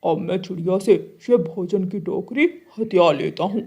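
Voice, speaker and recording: A woman doing a loud gloating bully crow. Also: lowish voice, moderate pace, breathy edge, pitched below the performer's own voice. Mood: scheming. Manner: gloating, loud, with mocking laughs. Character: boastful bullying male crow, greedy.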